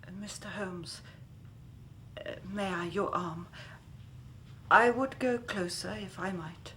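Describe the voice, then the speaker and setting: An actress playing a frail, frightened young woman in a radio drama, speaking in a faint, breathy whisper with halting pauses. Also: lowish voice, a bit bright, a little hiss or hum. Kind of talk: 1990s radio drama acting.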